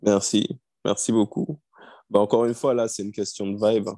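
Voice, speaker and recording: A man in his thirties, a singer-songwriter, telling how his songs came together in a relaxed interview. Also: fairly low pitch, normal speed, no room sound. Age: 30s. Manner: storytelling, easygoing, frequent fillers.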